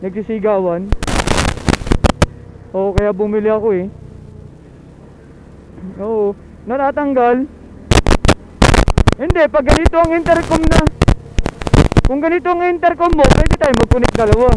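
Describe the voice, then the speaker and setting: A man's voice: very high voice, measured pace, long pauses. A Filipino man chatting casually to viewers as he records a motorcycle vlog, often repeating short phrases. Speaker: motorcycle vlogger. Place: outdoors on a motorcycle in traffic. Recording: dull lo-fi, loud traffic and engine noise.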